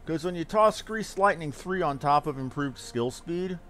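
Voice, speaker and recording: A man's voice: on the high side, animated, moderate pace, fairly bright tone. A man giving casual, rambling gameplay commentary as a streamer, thinking aloud as he goes. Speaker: game streamer. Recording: game music behind voice. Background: video game music.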